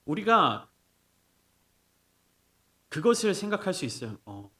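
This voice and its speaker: A man's voice: high-pitched, a little slow. A man preaching a sermon as pastor, explaining the passage with rhetorical questions he answers himself. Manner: acts out scolding quotes in lively bursts.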